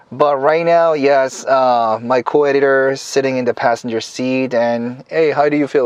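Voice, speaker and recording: Fairly even intonation and hardly any pauses, over noticeable background noise. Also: man. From South Korea. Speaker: car reviewer. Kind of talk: car review while driving. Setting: in a car. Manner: casual, filler-heavy.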